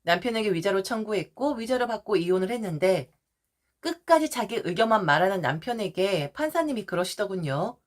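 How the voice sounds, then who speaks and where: A woman narrating a first-person family story in a confiding, expressive way. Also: mid-range voice, brisk.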